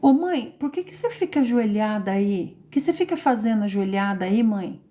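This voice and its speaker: A woman's voice: mid-range voice, expressive, fairly quick, warm tone, lightly acted. A woman voicing a curious small child who keeps questioning its mother. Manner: insistent repeated questions.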